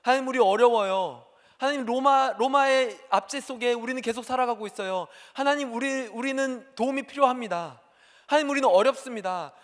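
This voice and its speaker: A man's voice: extremely high pitch, voice pushed up. A man voicing a desperate oppressed people crying out to God, pleading and repeating each cry. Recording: long hall reverb.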